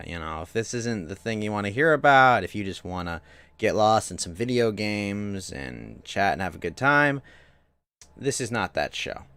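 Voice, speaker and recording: A man's voice: on the low side, a bit bright, clean tone, no room sound. A young man streaming games from home, chatting loosely with his chat, restarting sentences a lot. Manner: rambling, many restarts, talks to chat. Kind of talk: casual live-stream chat.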